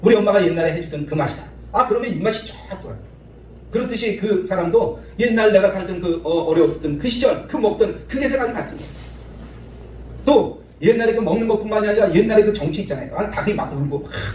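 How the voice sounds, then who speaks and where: High-voiced Korean pastor in an echoey sanctuary. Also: male voice, lively intonation, quick pace, a little mellow. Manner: folksy storytelling, acts out dialogue, repeats phrases. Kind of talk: sermon with storytelling. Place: church sanctuary. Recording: echoey hall from far off, faint noise.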